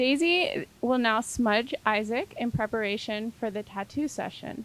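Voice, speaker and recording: A woman's voice with ordinary pitch variation, dry with no echo. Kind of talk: event introduction speech. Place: street. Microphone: handheld.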